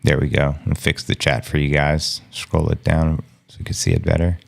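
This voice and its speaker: A man hosting a live stream, talking in a casual, hushed, low-key way and chuckling often. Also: little pitch movement, normal speed, creaky. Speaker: livestream host. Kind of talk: casual live market commentary.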